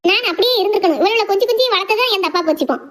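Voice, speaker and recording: Casting: woman as feisty Tirunelveli village mother for cartoon drama, piercingly high, rattling off complaints. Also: expressive, a bit bright. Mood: scolding, exasperated. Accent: Tirunelveli Tamil. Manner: scolding, argumentative, rapid complaints. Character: sharp-tongued, outspoken village wife and mother. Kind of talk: amateur cartoon family drama.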